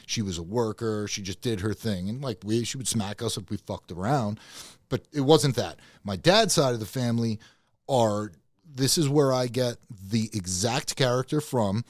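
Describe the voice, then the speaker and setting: A middle-aged man talking loudly and passionately, with plenty of swearing, as a guest in a casual podcast chat. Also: medium pitch, moderate pace, no echo, studio quality. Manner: loud, passionate, profane, emphatic.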